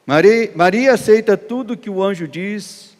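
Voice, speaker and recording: A man with a Brazilian accent, preaching a sermon as pastor, emphatic and swelling loud on key phrases. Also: high voice, moderate pace. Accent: Brazilian Portuguese. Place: church hall. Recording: long hall reverb.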